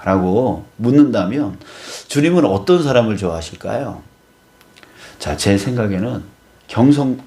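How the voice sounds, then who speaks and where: A male pastor from Gangwon Province, Korea, delivers a sermon with a fairly low voice. He tells it like a story and keeps opening his sentences with "자,". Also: darkish tone. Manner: storytelling, often starts with "자,".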